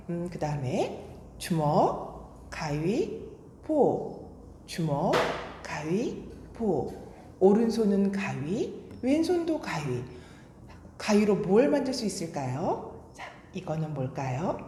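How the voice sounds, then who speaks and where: A woman working as a children's storytelling teacher, speaking to young children with simple explanations, questions and deliberate phrasing. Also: mid-range voice, big pitch swings, mellow. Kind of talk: children's storytelling and sing-along greeting. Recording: echoey reverberant room, faint background noise.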